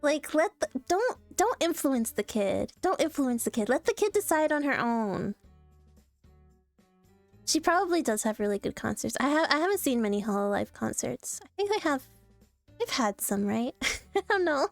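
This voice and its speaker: A bubbly young woman with a high voice chats on a livestream, bouncing between jokes and laughter with animated energy. Her voice is dry and close, and faint music plays underneath. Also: normal speed, vocal fry, no room sound. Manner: playful, laughs often, jumpy and animated. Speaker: streamer. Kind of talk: casual livestream chat, reacting to posts.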